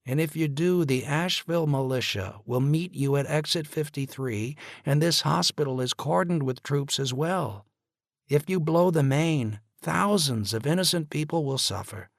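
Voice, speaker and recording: A man voicing a weary male doctor who speaks in a tired, cold, measured way. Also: fairly high pitch, creaky, no room sound, clean studio sound, voice pushed up. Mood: grim.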